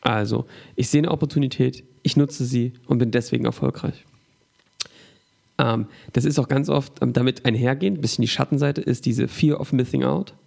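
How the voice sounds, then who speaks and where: A man hosts a business podcast, summing up his guest's points and leaning on filler sounds. His middle-pitched voice carries a strong, gravelly vocal fry. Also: steady tone, moderate pace, a little mellow. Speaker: podcast host. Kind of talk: conversational interview.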